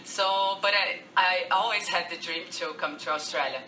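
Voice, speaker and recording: Brazilian lady on the radio, kinda low voice, hesitant english, bit of hiss behind. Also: sharp tone, reverberant, distant mic, poor audio. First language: Portuguese. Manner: halting non-native English with many restarts. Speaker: guest, fencer. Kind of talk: radio interview.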